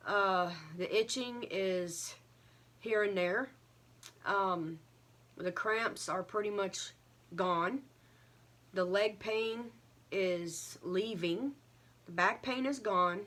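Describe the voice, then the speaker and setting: A woman giving a casual, earnest update to viewers, halting and a little short of breath as she recovers from illness. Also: medium pitch, fairly bright tone. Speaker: craft vlogger.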